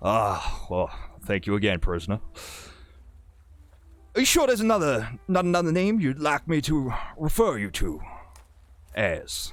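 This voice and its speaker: Using a gruff, put-on character voice at a fairly high pitch, a man talks at a moderate pace with long, frequent pauses. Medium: actual play. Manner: hearty, booming.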